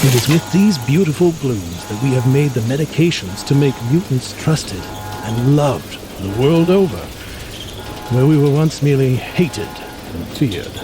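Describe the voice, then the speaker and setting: A man's voice: mid-range voice, noisy background, close to an everyday voice. A man playing an erudite, genial mutant scientist in an audio drama, speaking in a florid, pompous, theatrical manner with bookish words. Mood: earnest, proud. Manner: florid, pompous, bookish vocabulary with emphatic delivery. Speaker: scientist guide.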